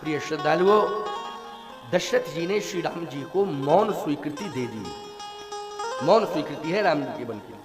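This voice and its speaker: High-voiced man preaching a devotional sermon. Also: expressive. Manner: rhetorical questions to the audience, breaks into slow song. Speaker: preacher of Ramayana katha. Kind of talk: devotional sermon with sung chaupais. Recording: reverberant hall with music. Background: devotional music with tabla.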